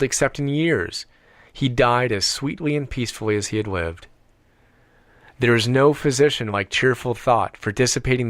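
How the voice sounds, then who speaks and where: A man reading an audiobook in a deliberate, measured way with emphatic pauses. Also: medium pitch, fairly bright tone, no echo. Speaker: audiobook reader. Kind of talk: scripted audiobook narration.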